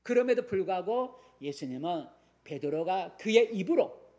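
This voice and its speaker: A man's voice: high-pitched, expressive, normal speed, darkish tone. Conversational male pastor preaching. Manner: conversational, repeats phrases, asks the congregation questions. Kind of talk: sermon.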